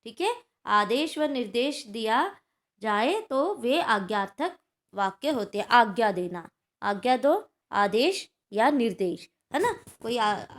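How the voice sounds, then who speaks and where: A woman teaching a Hindi grammar lesson to schoolchildren, explaining patiently and checking in often with her class. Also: on the high side.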